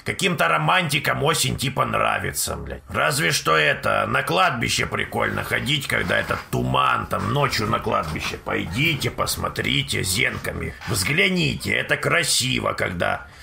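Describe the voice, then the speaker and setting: Gravelly, sharp-voiced profane male streamer. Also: medium pitch, animated, normal speed, hardly any pauses. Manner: profane, rambling, blunt. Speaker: live streamer. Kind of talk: casual live-stream chat to viewers.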